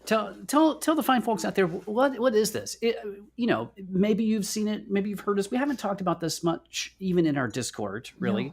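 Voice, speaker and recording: Very animated man bantering on a podcast. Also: sits high, moderate pace, few pauses, husky. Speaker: co-host of a podcast live show. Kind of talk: casual chat, bantering.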